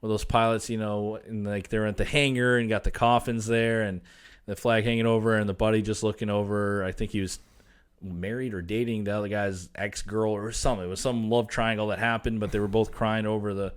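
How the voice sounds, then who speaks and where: A man's voice: on the low side, level tone, a little fast, smooth. A man in his twenties co-hosting a sports podcast as the coach, telling stories in a laid-back way and laughing often. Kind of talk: casual sports chat.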